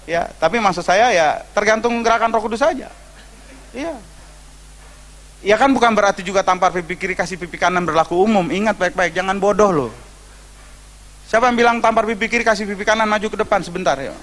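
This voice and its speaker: Animated Indonesian pastor preaching. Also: male voice, high voice, fairly quick. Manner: storytelling, acting out quoted voices, joking asides. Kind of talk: sermon.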